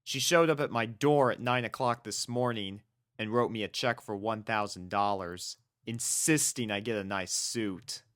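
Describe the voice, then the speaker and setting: A man narrates a first-person story from a script. His voice is on the low side and bright, delivered slowly in a dry, close sound. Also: clear, resonant tone, no echo. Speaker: fan fiction reader and narrator.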